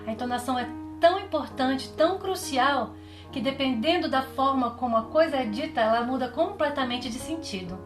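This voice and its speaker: A woman with a Brazilian accent giving a drama lesson, explaining clearly and demonstrating. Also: high voice, animated, brisk. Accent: Brazilian Portuguese. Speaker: drama teacher. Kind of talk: recorded online lesson. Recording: echoey room with faint music.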